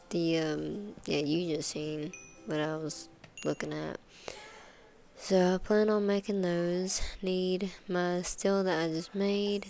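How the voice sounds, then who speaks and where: Congested woman, gameplay voice-over host, flat and rambling delivery. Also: on the low side, vocal fry. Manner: rambling, casual, many fillers. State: congested from sinus trouble. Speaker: gaming video host.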